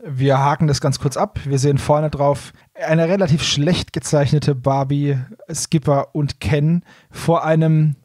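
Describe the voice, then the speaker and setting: A man's voice: a little high, steady tone, a little slow, a little mellow, no room sound, studio quality. A man, talking casually as the host of a podcast.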